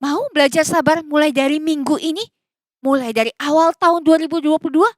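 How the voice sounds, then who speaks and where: A woman giving a children's sermon, animated and coaxing with questions, mixing in English phrases. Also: high voice, fairly quick, no room sound. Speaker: children's church teacher. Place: church recording.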